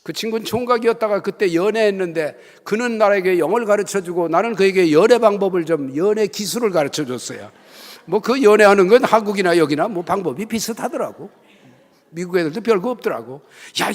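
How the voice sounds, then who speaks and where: An older man, a retired pastor, preaching a sermon and telling a story with lively acted-out quotes. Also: sits high, a little fast, in a large hall. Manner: storytelling, acts out quoted voices, rises to shouts. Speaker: pastor emeritus. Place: church sanctuary.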